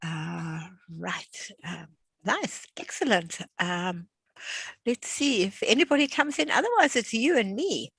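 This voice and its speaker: A woman's voice: medium pitch, big pitch swings, slow pace, creaky, fairly bright tone, breathy edge, no room sound. An older woman at home chatting as the instructor of an online class over a video call, friendly and full of fillers and restarts. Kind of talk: casual chat before an online class.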